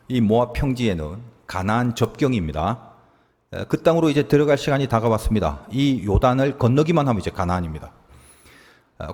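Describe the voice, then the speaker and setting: Animated male pastor in a reverberant church. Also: mid-range voice. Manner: animated preaching with acted-out quotes. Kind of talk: sermon. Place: church sanctuary. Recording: long reverb of a church hall.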